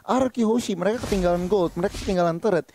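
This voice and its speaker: Male esports analyst, Indonesian accent, high voice, slight background noise. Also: very fast, a little mellow. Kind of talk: live game analysis.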